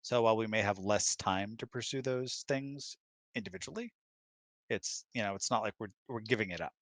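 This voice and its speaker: A man's voice: on the low side, normal speed, fairly bright tone, dry recording. A middle-aged man in a casual relationship chat, speaking informally and often acting out imagined quotes. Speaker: guest on spouse's hangout.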